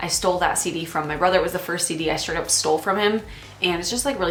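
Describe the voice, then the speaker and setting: A woman talks at a fairly low pitch with fairly even intonation. There is noticeable background noise and audible room echo. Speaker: tattoo vlogger. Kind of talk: casual vlog talk. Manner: fast.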